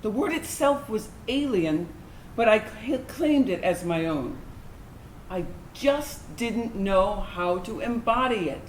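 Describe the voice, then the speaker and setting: A woman as a reflective lesbian, slow and echoey. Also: mid-range voice, very animated. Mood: reflective, confiding. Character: reflective lesbian woman recalling her awkward girlhood awakening. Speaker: actor in a staged reading. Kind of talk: dramatic monologue reading. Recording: roomy, noisy live stage recording.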